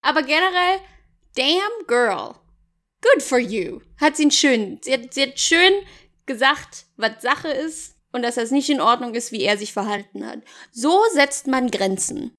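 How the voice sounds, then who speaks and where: Animated woman chatting about a book. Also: sits high. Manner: animated, expressive, quick asides. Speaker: co-host reading a book aloud. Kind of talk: casual chat and reading aloud.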